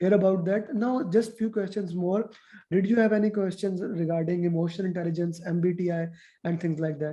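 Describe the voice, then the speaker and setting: Moving at a fairly quick pace, a man's high-pitched voice carries a dark, mellow tone and fairly even intonation. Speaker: exam prep coach. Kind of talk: interview. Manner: fast.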